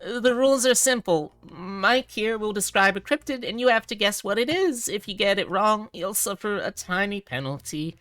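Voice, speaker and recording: A woman's voice: mid-range voice, expressive, normal speed, few pauses, fairly bright tone, no room sound, pitched above the performer's own voice, natural voice. A woman voicing a jittery, eager male mothman co-host in a visual novel game, nervously chipper.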